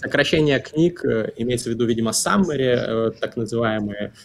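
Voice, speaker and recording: This is a man talking. His voice has a medium pitch. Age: 20s. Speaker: YouTube book blogger. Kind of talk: interview. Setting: video call. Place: home room. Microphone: video call.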